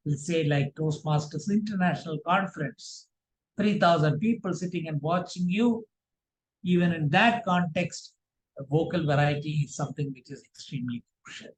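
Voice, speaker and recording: A man presenting a prepared workshop as a public speaking trainer, in a measured, emphatic, didactic manner. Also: sits high, darkish tone, low-quality recording.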